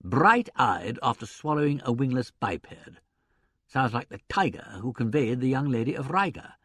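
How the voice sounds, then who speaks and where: A man voicing a vague, monocled upper-class English gentleman with an affected, languid drawl in an audiobook. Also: medium pitch, lively intonation, moderate pace, slightly rough, no room sound, studio quality. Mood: puzzled, idle.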